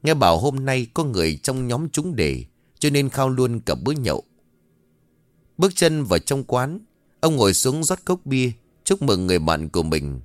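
A man narrating a scripted ghost story in an expressive, dramatic way. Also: medium pitch, moderate pace, dry recording.

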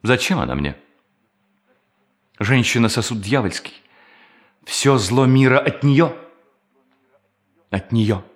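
An actor playing a bitter, lonely bank thief in hiding, in a theatrical radio play monologue that moves between muttering and solemn declamation. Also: male voice, medium pitch, lively intonation, slow pace, pauses often. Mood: bitter, agitated. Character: brooding fugitive bank thief, bitter, lonely, self-tormenting man.

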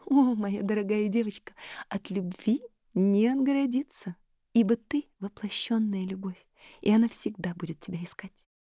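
A woman reading an audiobook, voicing a lively, teasing young married woman who is insistent and hungry for gossip. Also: mid-range voice, normal speed, no echo, studio quality, voice pushed up, close to an everyday voice.

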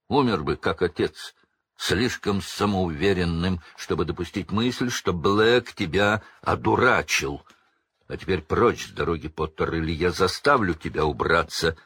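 A man's voice: deep voice, a bit bright, slightly rough, no room sound, full character voice. Man putting on a hissing, vengeful professor. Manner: hissing, menacing, slow drawl. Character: cold, vengeful middle-aged male professor.

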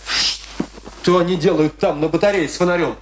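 An actor playing a troubled, compassionate middle-aged confidant in a radio play, speaking in an earnest, questioning, reflective way. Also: male voice, on the high side, steady tone, moderate pace, background noise, lightly acted. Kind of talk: theatrical radio play dialogue.

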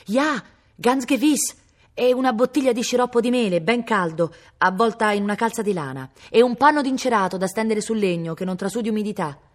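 A woman doing a German-speaking noble mother, her voice pitched high above the reader's own. She speaks slowly, fussing and anxious, with a faintly foreign tone. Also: lightly acted.

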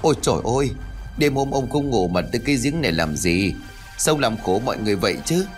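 A man's voice: on the low side, expressive, normal speed, soft background music, lightly acted. A man voicing a worried elderly village wife and mother who frets and scolds. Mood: scolding. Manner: fretful, scolding.

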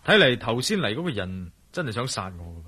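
A decisive adventurer hero in a Cantonese radio drama, speaking quickly and tersely. His voice is bright and slightly husky. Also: medium pitch, very animated, heavily acted. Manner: brisk, terse and businesslike. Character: adult male adventurer hero, calm and decisive.

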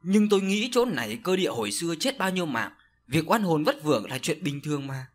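A man's voice: fairly high pitch, big pitch swings, fairly quick, faint music behind. A man doing a terrified guilty man. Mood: fearful. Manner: pleading, panicked.

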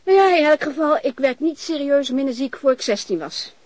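A woman's voice: sits high, animated, brisk, darkish tone, no room sound. An actress playing an outspoken, chatty middle-aged landlady in a naturalistic radio drama, talking bluntly and restarting her sentences. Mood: frank, teasing. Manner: talkative, blunt, breaks off and restarts.

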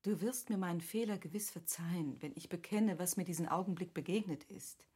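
Gracious period lady, husky voice. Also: lowish voice, a little fast, warm tone. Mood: apologetic. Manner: polite, formal, thoughtful. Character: gracious, articulate, curious lady of Goethe's era. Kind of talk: classic German radio play acting.

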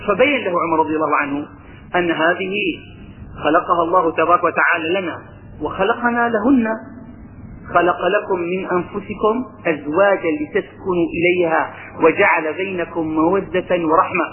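Levantine male religious teacher with a high voice, lively and questioning, on a lo-fi tinny recording. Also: moderate pace. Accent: Levantine Arabic. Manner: lively, mixes colloquial talk with recited verses, asks rhetorical questions. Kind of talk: religious lesson.

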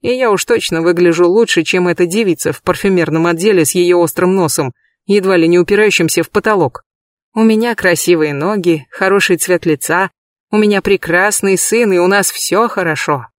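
A man giving a measured, lightly expressive first-person audiobook reading, recorded close in a booth. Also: high-pitched, no echo. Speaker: audiobook reader.

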